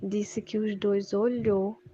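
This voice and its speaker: A woman's voice: mid-range voice, flat delivery, slow, warm tone, a little hiss or hum. A middle-aged woman giving a religious testimony, retelling events in a repetitive, emphatic way. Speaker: church member giving testimony. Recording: dull lo-fi recording.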